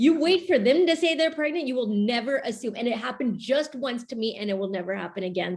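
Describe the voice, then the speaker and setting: Over noticeable background noise, a woman talks at a fairly quick pace and fairly high pitch, her tone animated and her pitch swinging very widely. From US, Pakistani-American. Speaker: podcast host. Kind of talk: casual chat.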